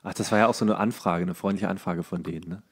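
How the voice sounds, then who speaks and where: A man's voice: sits low, fast talker, breathy edge. A man co-hosting a podcast in casual comedic chat, tipsy and tired, rambling and jokey as he goes. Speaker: podcast co-host.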